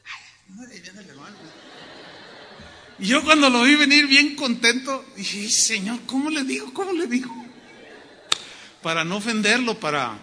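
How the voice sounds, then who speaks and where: A man with a Mexican accent preaching a sermon to his congregation, telling stories in a humorous, animated way. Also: extremely high pitch, normal speed, long pauses, long reverb tail. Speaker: pastor. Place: church hall.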